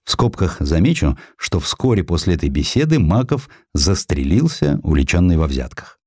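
A man reading a dramatized historical narrative in an expressive, theatrical storytelling manner. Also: sits low, moderate pace, breathy edge, dry recording, studio quality. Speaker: narrator, audiobook reader.

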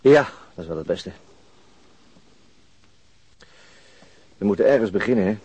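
An actor playing a world-weary police detective in a radio drama, husky and matter-of-fact. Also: male voice, on the low side, lively intonation, racing, a little mellow, no echo, low-quality recording. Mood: businesslike. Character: brisk, world-weary male police detective at a crime scene. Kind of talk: naturalistic radio drama acting.

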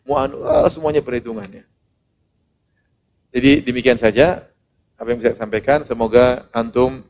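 A middle-aged man preaching a sermon, animated, acting out the people he quotes and swinging between loud and soft. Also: mid-range voice, a little hiss or hum. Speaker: Islamic preacher. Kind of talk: sermon to a congregation.

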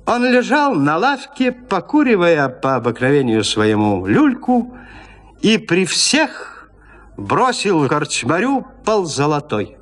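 A man narrating a classic tale in a radio drama, telling it in an expressive, dramatic way. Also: on the high side, slow.

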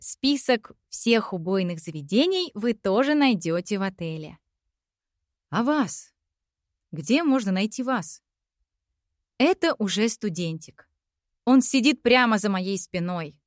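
Female audiobook narrator, mid-pitched, wry and reflective first-person read, dry booth sound. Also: lively intonation, a little slow, no echo.

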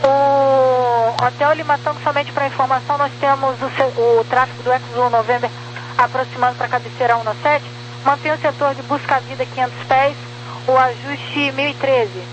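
A woman's high voice comes through a dull walkie-talkie style radio with faint noise. She is an air traffic controller issuing short procedural instructions. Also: little pitch movement, moderate pace. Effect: over walkie-talkie style aviation radio. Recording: dull, faintly noisy radio channel with hum.

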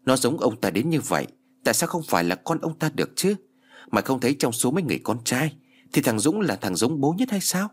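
A man's voice: medium pitch, big pitch swings, a little fast, slightly rough, voice pushed up. A man voicing a scheming, vengeful older village woman who taunts and gloats in a spoken story. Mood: gloating.

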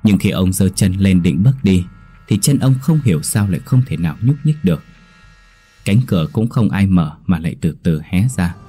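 A man narrating a scripted ghost story in a slow, ominous storytelling manner. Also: low-pitched, animated, mellow, husky. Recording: faint background music.

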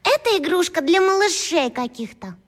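A woman's voice: extremely high pitch, animated, normal speed, big-room sound. A woman voicing a bossy, know-it-all schoolgirl who talks down to her little brother in an audiobook. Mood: lecturing. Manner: scornful, lecturing. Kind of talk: audiobook dialogue.

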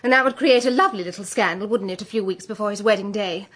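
A woman's voice: medium pitch, quick pace, fairly bright tone, lightly acted. A woman playing a brazen, cynical young jewel thief in a radio drama, bold and mocking. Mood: defiant, scornful. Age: young adult.

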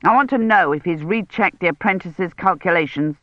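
A worried, protective older academic man, voiced by a woman reading a novel, sharp and reproachful. The recording is dry and close, with a slightly dull, lo-fi sound. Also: fairly low pitch, brisk, dry recording, close to an everyday voice. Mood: angry. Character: protective older male Oxford don, anxious.

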